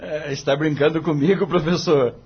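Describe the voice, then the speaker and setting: A man's voice: a little high, fairly even intonation, normal speed, slightly rough, muffled recording. A man playing an earnest, disheartened young lawyer, politely questioning his mentor in a dramatized audiobook. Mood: wistful.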